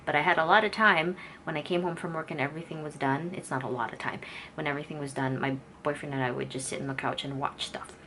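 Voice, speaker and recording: A woman's voice: sits low, steady tone, quick pace, sharp tone, slight background noise. A woman in her thirties with a light Filipino accent, chatting casually and rambling to her vlog camera and losing her train of thought. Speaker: vlogger and artist. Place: home studio and walking outdoors.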